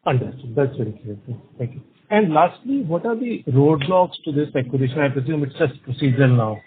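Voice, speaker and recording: A man's voice: medium pitch, lively intonation, brisk. Male analyst on a noisy phone line. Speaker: financial analyst asking questions. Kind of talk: conference call questioning.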